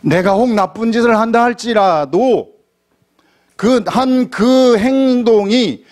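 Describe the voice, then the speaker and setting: A man preaching a sermon from a church pulpit, his voice sitting fairly high for a man. He keeps putting questions to the congregation and slips into pleading prayer voices to act out his points. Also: slow, darkish tone. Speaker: pastor.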